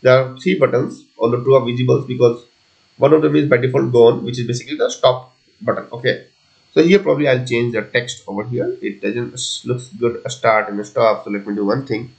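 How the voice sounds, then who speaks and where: Creaky-voiced man giving a coding walkthrough. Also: medium pitch, fairly even intonation, low-quality recording. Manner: halting, thinking aloud step by step. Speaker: software tutorial presenter. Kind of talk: unscripted screencast coding tutorial.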